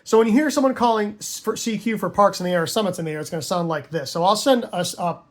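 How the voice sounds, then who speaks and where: Man, high-pitched voice, informal instructor, conversational, checks in with short tag questions. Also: quick pace. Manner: conversational, checks understanding with tags like "right?" and "okay?". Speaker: amateur radio hobbyist teaching Morse code. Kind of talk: informal tutorial.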